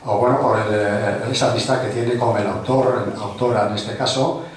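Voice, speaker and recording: A man's voice: lowish voice, steady tone, moderate pace, far from the mic. An older man from Spain hosting a book presentation, speaking in a chatty, rambling way with small self-deprecating jokes. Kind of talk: informal welcoming speech. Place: large hall of a cultural club, indoors. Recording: very echoey hall, heard from afar.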